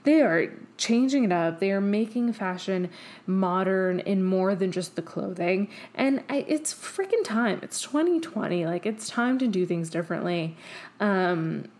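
A woman's voice: mid-range voice, expressive, a little slow, a little mellow. A woman who speaks English as a second language, hosting a podcast with casual, opinionated solo talk in an effusive, emphatic, tangent-prone way. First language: not English. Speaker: podcast host.

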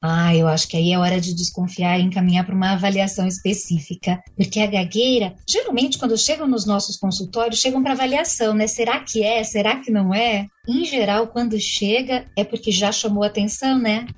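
A woman's voice: medium pitch, brisk, few pauses. A woman speaking as a guest speech therapist, explaining carefully in a didactic way and sometimes correcting herself. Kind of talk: explanatory panel discussion.

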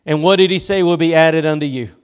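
A man's voice: fairly high pitch, fast, clear, resonant tone. A male pastor preaching a sermon in a church, with emphatic repeated cadences and rhetorical questions.

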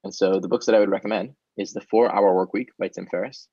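A man's voice: deep voice, fairly even intonation, fast, mellow, slightly rough, dry recording, highs cut off. A man whose first language is Hebrew, a startup founder giving casual, earnest interview answers with frequent ums.

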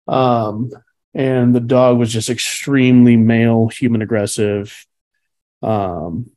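Mellow-voiced man, rambling guest. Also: medium pitch. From Cuba. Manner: rambling, laughs between stories. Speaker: dog trainer, guest. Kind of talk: casual interview answers.

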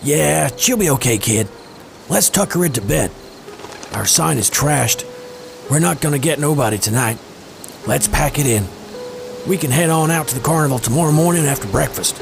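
A man's voice: a little high, expressive, moderate pace, vocal fry, pauses often, over music. A man playing a sardonic, foul-mouthed slacker hustler with a casual, slangy, wisecracking manner in an audio drama. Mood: scheming.

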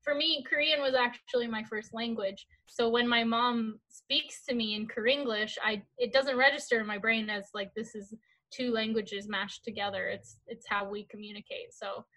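Woman, from the United States, casual interview chat, restarts often, higher pitch. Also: steady tone, normal speed, pushed and bright. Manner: chatty, many "like" fillers and restarts. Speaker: guest.

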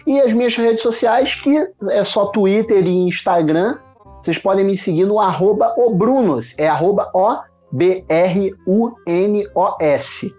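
A man's voice: high voice, unhurried, a little mellow. Carioca man chatting in Rio street slang. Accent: Carioca (Rio de Janeiro). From Rio de Janeiro, Brazil. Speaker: podcast guest. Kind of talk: casual podcast chat. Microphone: mobile phone. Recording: muffled phone recording with music behind. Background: music.

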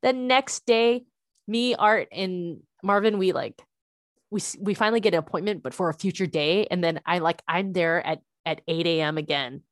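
A young adult woman, a parent, tells a long, exasperated story among friends, rambling easily and dropping "like" into nearly every sentence. Her voice sits fairly low for a woman, at normal speed, with animated frustration, and the sound is close and dry.

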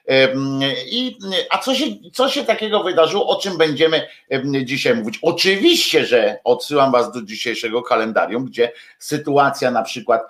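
A man's voice: medium pitch, lively intonation, normal speed, hardly any pauses, fairly bright tone. A man hosting a livestream, chatting casually with viewers in a hesitant, rambling way full of filler sounds and restarts, with jokey asides. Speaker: livestream host.

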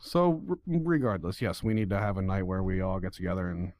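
A man's voice: deep voice, a little fast, darkish tone, no room sound. Middle-aged guy rambling on a podcast, swears a lot, dry close sound. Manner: chatty, swears casually, lots of "like". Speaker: podcast co-host. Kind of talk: casual chat.

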